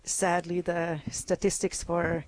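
A woman's voice: fairly low pitch, flat delivery, slow pace, a little mellow. A middle-aged woman from Hungary, a radio guest speaking thoughtfully with many ums. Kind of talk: radio interview.

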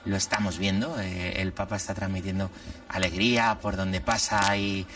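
A man, a priest and guest, explaining religious matters in an unhurried, reflective way and laying out his points one by one. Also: sits low, level tone, a bit bright, far from the mic. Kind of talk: conversational religious commentary.

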